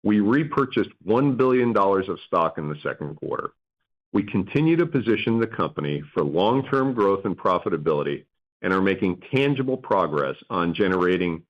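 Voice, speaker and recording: A man reading scripted financial remarks formally as a company executive on an earnings call. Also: deep voice. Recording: dull lo-fi conference call audio.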